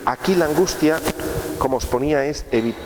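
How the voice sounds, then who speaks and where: A man's voice: a little high, fairly quick. A man giving a course lecture in a conversational way, asking rhetorical questions and checking in with his listeners. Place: lecture room. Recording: echoey hall, faint room noise.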